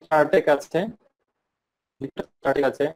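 A man's voice: fairly high pitch, flat delivery, slow. A man teaching an online class whose voice keeps breaking up and cutting out over a lagging video call. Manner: explains step by step in a mix of Bengali and English terms. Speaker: instructor.

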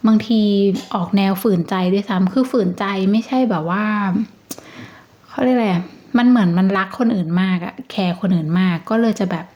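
A woman giving a casual tarot reading, talking in a gentle, chatty and reassuring way. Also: medium pitch, moderate pace, highs cut off. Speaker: tarot reader.

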